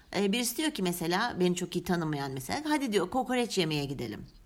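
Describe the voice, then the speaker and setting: Speaking at a fairly quick pace, a woman delivers her lines. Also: very clean recording, silent background. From Turkey. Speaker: podcast co-host. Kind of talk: casual chat.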